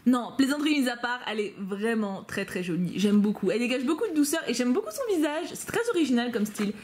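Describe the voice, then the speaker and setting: A young woman from France, her voice a little high and her pace quick, chats with viewers while unboxing fan mail. She gushes and teases playfully, frequently tripping over repeated words.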